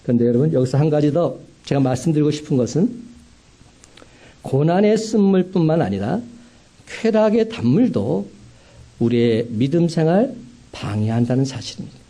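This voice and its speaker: A man preaching a sermon as a pastor, with emphatic rising climaxes and slow, stressed phrases. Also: fairly high pitch, expressive, mellow.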